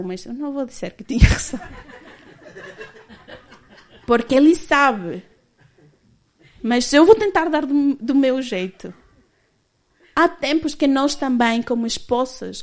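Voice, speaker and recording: A woman's voice: on the high side, a little slow, long pauses, a little mellow. A woman in her thirties giving a candid personal testimony as a church speaker, often laughing as she tells it.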